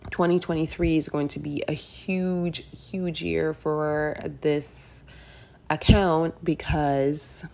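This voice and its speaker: A woman's voice: very deep voice, gravelly, a little mellow, a little hiss or hum. A woman in her thirties chatting casually and candidly in a voice-over, with fillers like "like" and "right". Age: 30s. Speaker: personal finance vlogger. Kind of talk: casual voice-over over screen recording.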